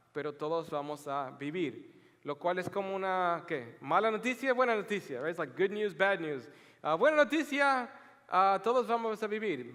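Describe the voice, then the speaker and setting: A man with a notably high voice preaches to his congregation, reading scripture and breaking into joking, animated storytelling. The voice carries a long reverb that trails after his words, as in a large church hall. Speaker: pastor. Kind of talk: bilingual sermon with scripture reading. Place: church sanctuary.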